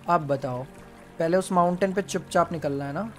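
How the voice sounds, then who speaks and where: Jumpy male streamer yelping at a game. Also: high-pitched. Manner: jumpy, yelps and pleads with the monster, then hushes to a whisper. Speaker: gaming streamer. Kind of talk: live gameplay commentary.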